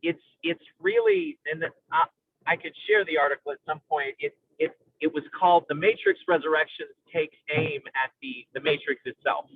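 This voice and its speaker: A man in an analytical, conversational film discussion, speaking in an intellectual, halting way with academic vocabulary as he searches for words. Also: a little high, big pitch swings, creaky, slightly rough. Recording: tinny phone-like radio-style sound.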